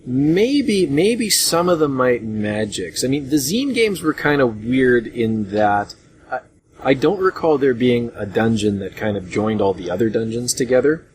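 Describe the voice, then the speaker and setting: A man hosting a casual group discussion about retro games in a rambling, hesitant way, on a low-grade voice chat recording. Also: sing-song, measured pace, a little hiss or hum. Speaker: podcast host.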